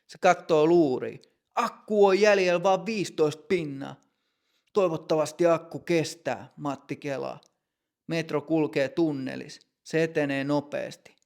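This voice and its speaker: A man narrating a language lesson, reading vocabulary and a story slowly and clearly. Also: fairly high pitch, darkish tone. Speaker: language teacher.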